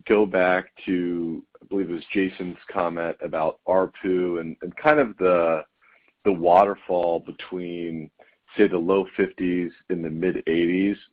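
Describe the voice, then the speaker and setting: A man's voice: deep voice, steady tone, unhurried. A man asking questions as a financial analyst on an earnings call, polite and a little tentative. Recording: muffled, lo-fi phone line.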